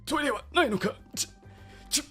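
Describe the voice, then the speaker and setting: A man voicing a panicked man desperate for a toilet, shrill and gravelly, yelling in anime style. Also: animated, racing, soft background music, heavily acted. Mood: frantic.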